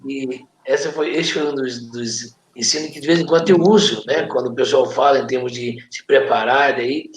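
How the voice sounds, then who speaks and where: A man with a Brazilian accent reminiscing casually, in a halting, conversational way that often checks for agreement. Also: medium pitch, fairly even intonation. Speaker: participant in a church friends' live chat. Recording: echoey room, faint noise.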